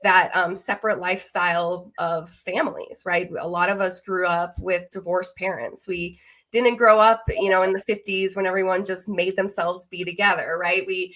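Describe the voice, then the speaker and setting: A woman's voice: lowish voice, a bit bright. Enthusiastic American woman hosting an interview. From Las Vegas, United States. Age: 30s. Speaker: podcast host.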